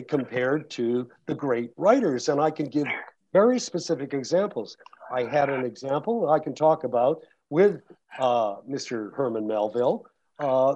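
An audiobook narrator answers audience questions at a panel, thoughtful and often stopping to restart his sentences. His mid-range voice is a little mellow and husky. The recording sounds muffled and lo-fi.

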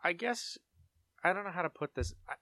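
A man's voice: high-pitched, expressive, brisk, sharp tone, no room sound. A man co-hosting a podcast, chatting casually and rambling in a playful way. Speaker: podcast co-host. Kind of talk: casual, rambling pop culture chat.

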